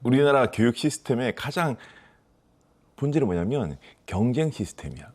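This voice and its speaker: A man's voice: mid-range voice, very animated, moderate pace, a little mellow, husky. A man with a regional Korean dialect explaining life lessons conversationally as an author, emphatic and full of rhetorical questions. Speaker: author giving life advice.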